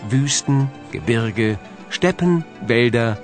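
A man giving calm, scripted educational narration for children. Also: medium pitch, takes it slowly. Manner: calm, explanatory. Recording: narration over background music.

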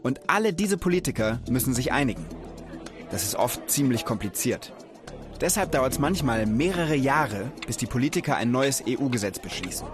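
A man presenting a children's knowledge show, talking straight to young viewers in an upbeat, animated way. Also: mid-range voice, moderate pace, music in the background. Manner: lively, addresses viewers directly as kids.

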